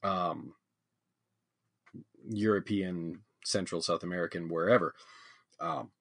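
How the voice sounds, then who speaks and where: A man's voice: low voice, slow pace, creaky, a bit bright, no room sound, clean studio sound. A man hosting a casual podcast conversation who rambles tentatively, with many fillers.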